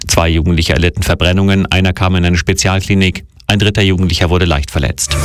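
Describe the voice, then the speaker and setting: A man reading a radio news bulletin in a steady, formal manner. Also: sits low, no echo, clean studio sound. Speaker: newsreader.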